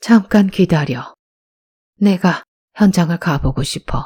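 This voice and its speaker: A put-on character voice, female-sounding and raspy, at a medium pitch for a woman. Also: fairly slow pace. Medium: read story. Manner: terse, authoritative.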